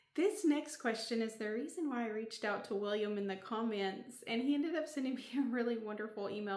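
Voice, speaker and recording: The speech moves at a fairly quick pace. There is audible room echo and noticeable background noise. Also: woman. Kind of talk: personal testimony. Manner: loud.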